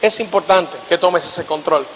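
A man giving a motivational seminar talk, emphatic and lively, who keeps checking in with his listeners through quick tag questions. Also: high voice, slight background noise. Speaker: motivational speaker. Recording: long hall reverb.

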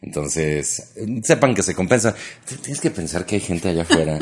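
A man's voice: low-pitched, expressive, moderate pace. A young Mexican man co-hosting a comedy podcast, teasing and laughing often in casual chat. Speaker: podcast co-host.

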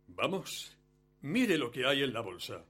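An actor playing a wealthy, smug betrayed husband in a radio play, suave and mock-courteous with cruel menace. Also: male voice, mid-range voice, very animated, unhurried, sharp tone, breathy edge, exaggerated voice. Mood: coolly insistent. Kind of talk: Spanish-language radio play acting.

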